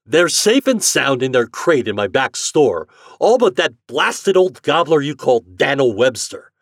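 A blustering, irate market owner from a storybook, performed by a man. He scolds and snarls in a raised, husky voice with big swings of emphasis. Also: mid-range voice, very animated, unhurried, dry recording, studio quality, pitched above the performer's own voice. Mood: exasperated, snarling.

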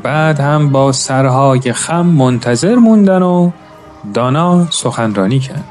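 A man narrating a story in a calm, measured way, now and then addressing his listeners as friends. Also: mid-range voice, soft background music. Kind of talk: scripted narration.

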